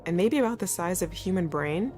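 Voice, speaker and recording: A woman's voice: fairly low pitch, animated, quick pace, darkish tone, soft background music, close to an everyday voice. A woman voicing an earnest young exiled prince from a video game, reading his lines aloud in a put-on Australian accent. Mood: explaining.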